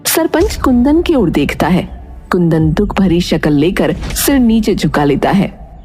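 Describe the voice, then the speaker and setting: Animated female story narrator over music. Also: on the low side, a little slow. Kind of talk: scripted narration of a dramatic moral story. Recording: music under the voice.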